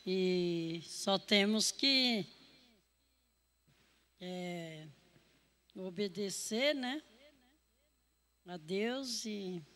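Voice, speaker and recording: Very slow, hesitant Brazilian woman. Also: medium pitch, a bit bright. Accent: Brazilian Portuguese. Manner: hesitant, searching for words. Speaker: church member. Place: church hall. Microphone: handed a microphone.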